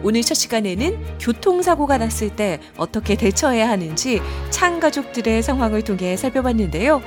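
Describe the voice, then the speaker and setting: Bright, lively woman lesson host. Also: a little high, brisk. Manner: polite, explanatory presenter delivery. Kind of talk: scripted broadcast narration. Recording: faint background music.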